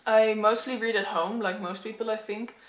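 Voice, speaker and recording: A woman's voice: mid-range voice, steady tone, normal speed. Dutch woman vlogging in an echoey room. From Netherlands. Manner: candid, slightly nervous, with frequent ums. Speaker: book vlogger. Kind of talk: casual talking-to-camera vlog.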